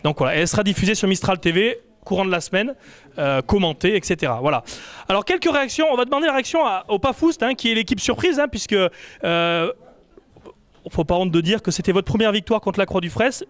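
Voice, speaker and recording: A man's voice: sits high, animated, quick pace. A man presenting a cup draw in a casual, chatty way, with frequent fillers and hesitations. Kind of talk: casual live announcing.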